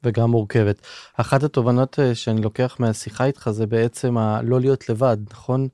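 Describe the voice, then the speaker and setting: A male host asks questions calmly and at a measured pace. His voice is mellow and clear. The recording sounds dry and close. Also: mid-range voice, no room sound. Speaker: interviewer, podcast host. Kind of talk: interview questions.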